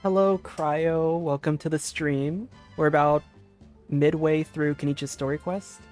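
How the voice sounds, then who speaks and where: A man's voice: a little high, fairly even intonation, measured pace, darkish tone, faint music behind. A man chatting casually as he livestreams a video game. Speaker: game streamer.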